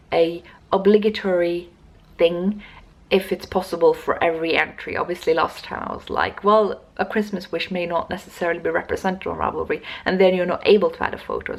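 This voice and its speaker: A woman's voice: medium pitch, vocal fry. A woman hosting a knitting video podcast, chatting casually at home and wandering off on tangents as she talks. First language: not Swedish. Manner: rambling, digressive, self-interrupting. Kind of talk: casual knitting vlog chat.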